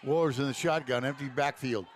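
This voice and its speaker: A man doing live high school football radio commentary in short clipped phrases, building into an excited touchdown call. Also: a little fast, over a noisy crowd, heavy background noise. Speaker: play-by-play sports commentator.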